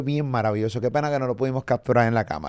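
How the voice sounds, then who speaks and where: The man's pitch moves in an ordinary way. Behind him, the background stays quiet. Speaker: podcast host. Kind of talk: podcast monologue storytelling. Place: studio. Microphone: studio mic.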